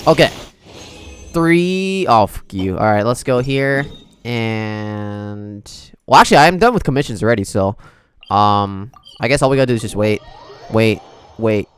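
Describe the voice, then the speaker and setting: Casual man livestreaming, lively smooth voice. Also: on the low side, unhurried. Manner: slangy, chummy with viewers. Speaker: video game livestreamer. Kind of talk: casual gameplay stream chat. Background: game music.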